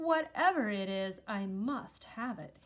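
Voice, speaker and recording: Here a woman puts on a character voice at a fairly high pitch. She speaks at a fairly slow pace. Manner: growling.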